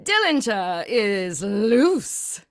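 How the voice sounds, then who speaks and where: A woman's voice: medium pitch, sing-song, very slow, no echo, studio quality, pitched above the performer's own voice. A woman voicing a dramatic old-time radio announcer with portentous newsreel delivery. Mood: ominous.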